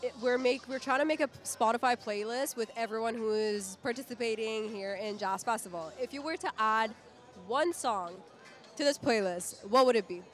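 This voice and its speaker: A woman interviewing people on the street at a festival, upbeat and quick with affirmations. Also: a little high. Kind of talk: festival vox pop interviews. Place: outdoors at a city festival.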